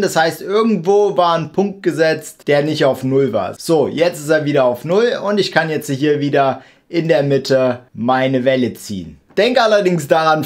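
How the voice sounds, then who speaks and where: A young man with a high voice hosts a casual software tutorial. He explains each step informally, talking directly to the viewer. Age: young adult. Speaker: video editing tutorial host. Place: small indoor home studio.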